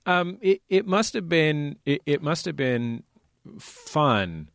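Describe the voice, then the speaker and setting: A man's voice: a little high, big pitch swings, slow pace, a bit bright, no echo. Guy hosting a radio interview, dry studio sound, talks it through thoughtfully. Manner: thoughtful, explains at length, laughs easily. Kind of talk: interview talk.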